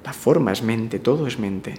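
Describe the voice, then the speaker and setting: A man giving a calm spiritual talk, repeating affirmations in a slow, steady way. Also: mid-range voice, slight background noise. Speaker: spiritual teacher.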